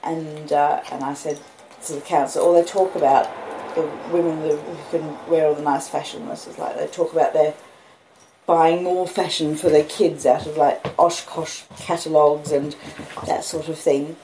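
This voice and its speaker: This Australian woman in her fifties hosts a homely reading of a classic novel from indoors, chatting between passages and stopping to speak to her dogs. She sits low in pitch with a steady, mellow tone at normal speed. The low-quality recording carries slight background noise.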